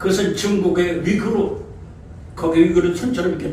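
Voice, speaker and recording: There is audible room echo and noticeable background noise as a man speaks at a high pitch. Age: 90s. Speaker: lecturer. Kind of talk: lecture. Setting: stage with audience.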